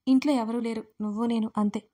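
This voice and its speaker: A woman's voice: a little high, steady tone, fast talker, mellow, lightly acted. A woman voicing a threatening young man who bullies the heroine in an audio story. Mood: menacing. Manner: threatening, mocking. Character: menacing young man, a cruel villain.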